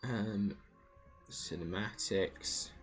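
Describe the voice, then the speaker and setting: A man's voice: lowish voice, very slow, soft background music. A man streaming a video game, thinking aloud in a casual, rambling way with many fillers. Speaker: gaming streamer. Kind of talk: casual gameplay commentary.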